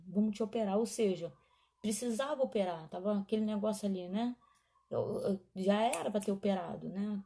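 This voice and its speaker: Delivering a heartfelt testimony from the pulpit, this woman pastor addresses her listeners as brothers. She has a medium pitch with a gravelly, warm quality and tells her story with deep emotion.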